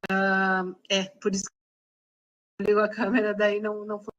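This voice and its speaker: A woman teacher speaking on a video call whose audio keeps breaking up and dropping out, her phrases halting and cut short. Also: mid-range voice, monotone, a bit bright, no room sound, highs cut off. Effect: glitchy audio that keeps cutting out. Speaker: teacher asking a question in an online class. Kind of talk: casual remarks on a video call. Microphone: video call from home network.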